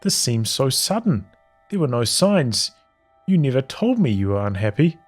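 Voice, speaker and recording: Faint music plays behind a man who reads visual novel journal entries as a story. His medium-pitched voice is sing-song with a breathy edge, and he moves in measured, halting phrases with pauses.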